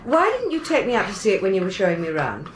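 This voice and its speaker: An actress playing a curious, persistent, genteel mistress of a house in a radio drama, questioning and dramatic in manner. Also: female voice, medium pitch, sing-song, fast talker, background noise, lightly acted. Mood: insistent, curious.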